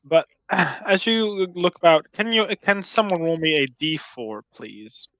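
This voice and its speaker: A man's voice: a little high, expressive, a little slow, a bit bright, no echo. A man running a tabletop game as game master, narrating casually and talking with the players.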